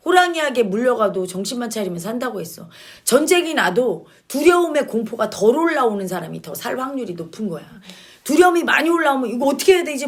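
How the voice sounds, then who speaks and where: A woman commentator giving blunt opinions, stressing her points by repeating key words and mixing casual and polite speech. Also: a little high. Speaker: commentator answering questions.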